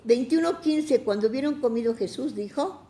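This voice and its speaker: A woman's voice: a little high, moderate pace, warm tone, reverberant. A woman with a Mexican accent leading a church Bible study and giving an emotional personal testimony, fervent and exclamatory. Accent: Mexican Spanish. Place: church hall.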